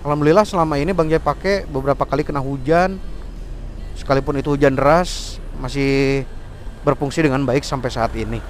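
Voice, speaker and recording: A man's voice: medium pitch, a little fast. Chatty man riding a motorbike. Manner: chatty, talks about himself in third person. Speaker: motorcycle vlogger reviewing gear. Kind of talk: casual spoken review while riding. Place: on a motorbike outdoors in traffic. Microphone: helmet intercom mic. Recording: faint road and traffic noise behind.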